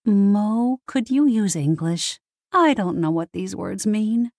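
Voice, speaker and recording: A woman's voice: mid-range voice, lively intonation, slow, a little mellow, no echo, studio quality, voice pushed up. Woman playing a bemused young modern witch. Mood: bemused, firm. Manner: plain-spoken, bemused. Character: young modern witch, puzzled straight-talking sleuth. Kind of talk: audiobook character dialogue.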